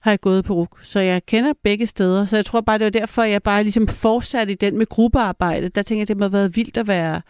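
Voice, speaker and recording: A woman's voice: medium pitch, fairly even intonation, hardly any pauses, a little mellow, smooth, dry recording, clean studio sound. A woman hosting a radio call-in show, chatting casually with a caller. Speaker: radio host. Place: radio studio.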